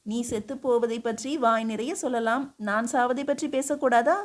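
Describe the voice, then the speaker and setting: A woman's voice: on the high side, steady tone, normal speed, natural voice. A woman voicing a stern, exasperated male emperor who scolds his wife with incredulous questions, in an audiobook reading. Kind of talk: audiobook character voice.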